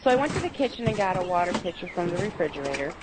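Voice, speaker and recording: A woman's voice: fairly low pitch, big pitch swings, rapid-fire, heavy background noise. A woman playing a flustered, earnest homeowner in a radio drama, speaking expressively. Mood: recalling. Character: flustered, grateful female homeowner. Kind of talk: amateur radio drama dialogue.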